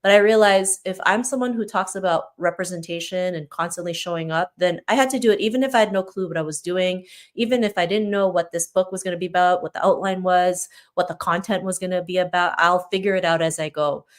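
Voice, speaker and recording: Her voice sits on the low side and rushes along quickly, with hardly any pauses. A podcast author guest from Toronto who was born in the Philippines, she speaks English as a non-native and keeps things casual and motivational.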